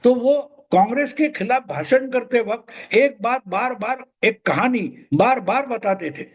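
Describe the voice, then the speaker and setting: An older man with a mother tongue talks alone on camera in a very high voice. He drives home each point emphatically and says it again for weight. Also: animated, a little slow. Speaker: political commentator. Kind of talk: solo political commentary.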